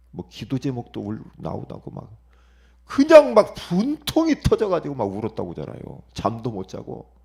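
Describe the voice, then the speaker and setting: Gravelly pastor swinging from whisper to shout. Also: male voice, fairly low pitch. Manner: asks the congregation "예?" for response. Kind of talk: dawn prayer sermon.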